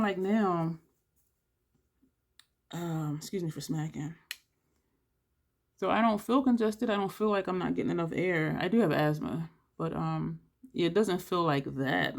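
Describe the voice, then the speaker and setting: Gravelly, rambling makeup vlogger. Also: medium pitch. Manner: rambling, thinks aloud while working; audible breathing between phrases. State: congested-sounding. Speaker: beauty vlogger. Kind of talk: casual makeup tutorial chat.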